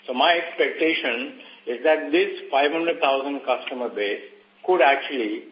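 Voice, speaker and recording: A man speaking as a bank executive presenting results on a call, in a measured, halting way with pauses mid-sentence. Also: medium pitch. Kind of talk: earnings call presentation, semi-scripted. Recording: echoey, muffled conference call audio.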